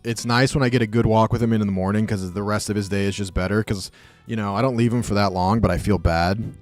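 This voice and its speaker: A man's voice: on the low side, steady tone, fast, soft background music. A man streaming live, chatting casually with viewers, joking and rambling as he reacts to the chat.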